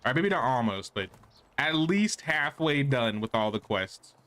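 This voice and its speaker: A man's voice: medium pitch, very animated, measured pace, a bit bright, soft background music. Casual male game streamer with dry asides. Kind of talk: casual live gameplay commentary.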